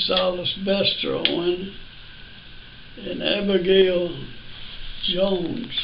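The speech moves at a very slow pace against noticeable background noise. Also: man. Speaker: family elder recounting genealogy. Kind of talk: oral history interview, reminiscing. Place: home room.

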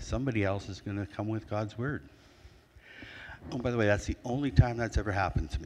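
Light background noise sits behind speech delivered at a fairly quick pace. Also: man. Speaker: guest preacher. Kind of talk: sermon. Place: church.

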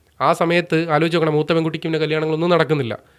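This man has a fairly high pitch. He has an ordinary speaking voice. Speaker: vlogger. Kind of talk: commentary monologue.

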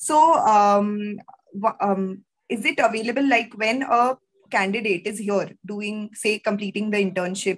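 An ordinary speaking voice from a woman, fairly high in pitch, with ordinary pitch variation and a fairly slow pace. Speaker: webinar moderator. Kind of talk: formal introduction. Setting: video call. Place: office. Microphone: video call.

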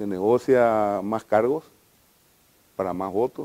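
Pitch moves with ordinary variation. A dark, mellow tone colors the voice. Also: man. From Paraguay. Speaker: senate candidate and business consultant; candidate. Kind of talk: TV interview. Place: studio. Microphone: lapel.

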